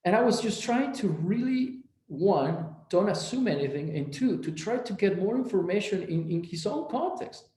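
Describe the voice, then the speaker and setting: A man's voice: high voice, lively intonation, moderate pace, hardly any pauses, mellow, echoey room, poor audio. A man from Mexico, a clinician giving a recorded presentation, who retells patient dialogue and often restarts and repeats his words.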